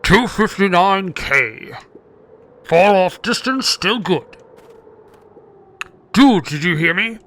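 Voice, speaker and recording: A man's voice: sits high, lively intonation, takes it slowly, long pauses, fairly bright tone, heavily acted. A man voicing laid-back working guys bantering in a mystery game, reading their dialogue aloud in character. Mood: brooding banter.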